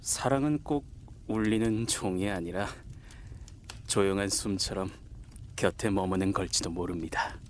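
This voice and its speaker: A male voice actor playing a gentle, courteous professor in an audio drama, speaking in a polite, measured, consoling way. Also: sits low, slight background noise. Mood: tender, consoling.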